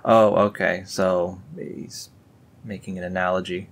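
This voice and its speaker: Man, low-pitched, casual read-along, sarcastic asides, dry wit. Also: flat delivery, measured pace. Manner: sarcastic, dry asides after solemn read-aloud passages. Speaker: video host reading scripture aloud.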